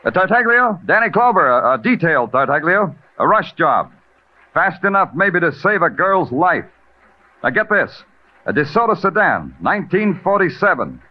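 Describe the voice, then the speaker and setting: An actor playing a hard-boiled police lieutenant who narrates in brooding prose and talks in clipped, dry wisecracks. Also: male voice, sits high, sing-song, normal speed. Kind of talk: 1940s radio acting. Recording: muffled old radio recording with music.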